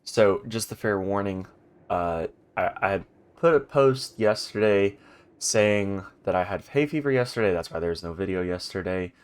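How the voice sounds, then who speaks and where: A let's play host rambles chattily through a game with lots of ums and restarts, his voice congested from a stuffy nose. He sits low, sounds expressive and clear with a resonant tone, and talks at a normal speed into a home recording mic.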